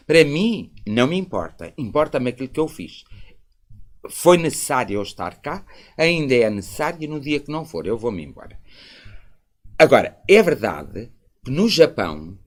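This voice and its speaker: Animated Portuguese man talking lively. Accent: European Portuguese. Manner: animated, rambling, pitch swinging up and down. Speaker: spiritist live-stream host. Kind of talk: live stream talk with callers and comments.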